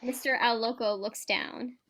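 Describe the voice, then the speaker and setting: A woman's voice: a little high, fairly even intonation, measured pace, pushed and bright. A woman reading scripted stage directions as narrator of a staged reading.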